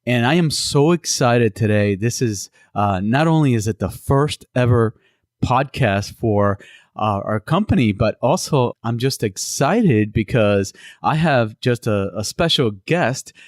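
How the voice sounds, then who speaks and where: A man's voice: mid-range voice, lively intonation, dry recording. Man from Cuba hosting a podcast, dry sound. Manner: halting, many fillers and restarts. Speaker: podcast host. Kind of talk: casual interview podcast.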